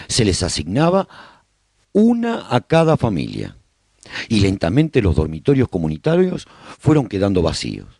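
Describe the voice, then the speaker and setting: A man's voice: low voice, creaky, a little mellow, slightly rough, no room sound, clean studio sound. A man with a Spanish accent narrating a radio serial in the first person, telling the story as a survivor speaking to listeners.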